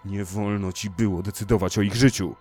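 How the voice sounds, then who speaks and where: A man voicing an angry, grim male spaceship crewman who shouts accusations, in an audiobook reading. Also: on the low side, steady tone, brisk, faint music behind, close to an everyday voice. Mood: furious. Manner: shouting insults, then cold and quiet.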